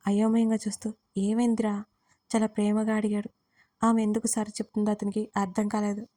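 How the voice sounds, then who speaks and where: A woman narrating an audio drama in a calm, measured way. Her voice is mellow and dark, and her pitch stays flat and even. She reads steadily from a script. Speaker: storyteller.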